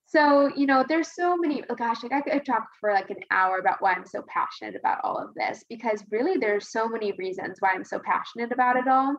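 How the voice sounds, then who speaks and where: A woman's voice: medium pitch, fairly bright tone, muffled recording. A woman podcast guest talking casually and earnestly, rambling a little and repeating points for emphasis. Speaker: podcast guest, women's health advocate. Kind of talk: casual conversational interview answer.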